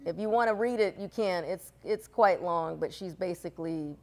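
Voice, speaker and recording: A woman's voice: lowish voice, moderate pace, a little mellow. A woman in her forties co-hosting a studio talk show, reading out news items and steering the banter back on topic. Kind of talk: casual talk show chat. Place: studio around a table.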